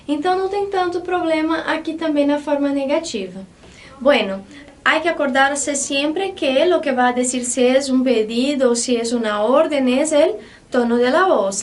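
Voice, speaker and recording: A woman's voice: high-pitched, distant mic. A Brazilian woman with a Brazilian Portuguese accent, teaching a Spanish lesson in a patient way and checking in often with her students. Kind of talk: online language lesson.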